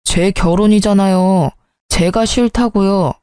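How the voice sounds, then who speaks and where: A woman voicing an earnest young adult son who turns sharp and irritable, speaking in clipped, pleading sentences. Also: mid-range voice, steady tone, a little slow, smooth, no echo, studio quality, close to an everyday voice. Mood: irritated.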